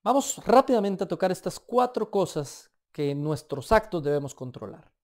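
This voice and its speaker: Colombian male preacher with a warm, mellow tone; emphatic, animated sermon delivery with casual asides. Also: high voice, normal speed. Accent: Colombian Spanish.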